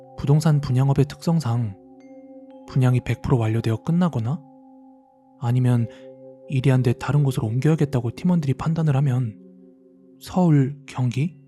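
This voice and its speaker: Over music in the background, a man at medium pitch speaks at a moderate pace with ordinary pitch variation, very even loudness, and long, frequent pauses. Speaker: horror story radio narrator. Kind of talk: reading viewer-submitted horror stories. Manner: whispered, ASMR-like.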